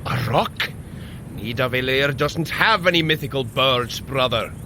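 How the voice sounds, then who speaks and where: Man playing a hearty, unhurried warrior god. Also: medium pitch, lively intonation, background noise, natural voice. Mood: skeptical. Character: hearty, blunt warrior god, exasperated brother. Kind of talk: scripted audio drama.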